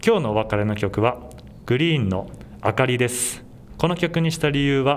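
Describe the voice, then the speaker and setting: Noticeable background noise sits behind this man. He speaks at a medium pitch and moderate pace. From Japan, Chiba. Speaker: professional basketball player. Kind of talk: interview. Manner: hesitant, with fillers and laughs.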